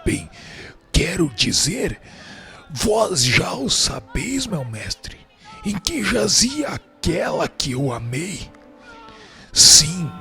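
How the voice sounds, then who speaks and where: Gravelly, tormented, proud dead sinner. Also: male voice, on the low side, bright, forceful tone, heavily acted. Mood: anguished confession. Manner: theatrical, aggrieved, declamatory. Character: tormented, self-justifying suicide spirit, proud Spanish rogue. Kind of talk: radio drama acting. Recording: music bed under the voice.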